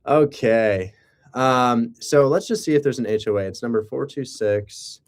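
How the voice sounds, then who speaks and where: Speaking a little slowly in a mid-range voice, a man who streams live and wholesales real estate rambles casually on his livestream, tossing in sarcastic asides and rhetorical questions.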